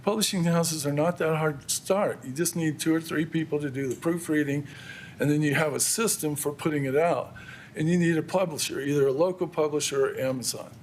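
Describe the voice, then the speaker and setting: A man's voice: a little high, fairly quick, a little hiss or hum. An American man giving an extemporaneous public comment at a council meeting. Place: council chamber.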